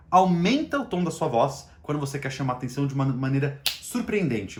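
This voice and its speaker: A Brazilian man with a Brazilian Portuguese accent gives a casual online lesson on communication, raising and lowering his voice to make his points. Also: echoey room, slight background noise. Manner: shifts volume and pitch to show emphasis. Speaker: communication trainer.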